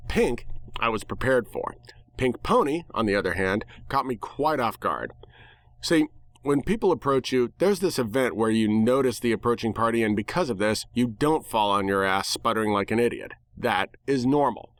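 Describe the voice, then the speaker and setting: A man giving a dramatic first-person reading of fan fiction, sardonic and expressive. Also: medium pitch, moderate pace, no room sound.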